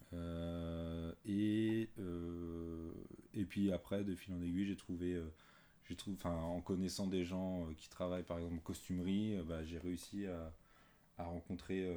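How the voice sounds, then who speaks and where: Very deep and low, a man's voice moves at a very slow pace with a dark, mellow tone and monotone, flat intonation. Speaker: camera operator. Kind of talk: casual chat.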